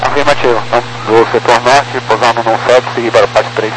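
A man's voice: mid-range voice, fairly even intonation, quick pace. A male pilot making clipped radio calls through a cockpit headset. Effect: cockpit headset over aviation radio. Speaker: helicopter pilot. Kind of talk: clipped aviation radio communication. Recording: noisy humming aircraft radio transmission.

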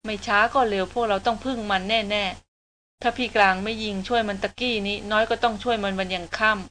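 A sharp-tongued but caring young woman from a read-aloud adventure novel, voiced by the woman narrator. Her talk is firm and a little reproachful, at a middle pitch. A faint hiss of noise lies under the reading. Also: fairly even intonation, brisk, lightly acted.

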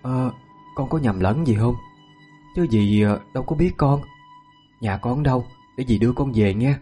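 A man's voice: mid-range voice, normal speed, mellow, husky, soft background music, natural voice. A man voicing a grieving young village mother who stammers in distress. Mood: puzzled.

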